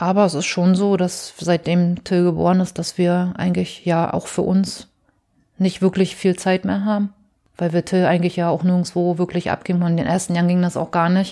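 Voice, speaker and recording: A woman speaks in a flat monotone. Her voice is fairly low in pitch, with a dark, mellow tone. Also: moderate pace. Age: 40s. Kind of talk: interview.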